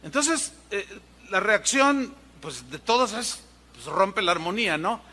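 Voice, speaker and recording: A middle-aged pastor preaching a sermon, telling stories and imitating sounds and voices for humor. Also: male voice, high voice, sing-song, a little slow, sharp tone. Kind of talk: sermon with storytelling.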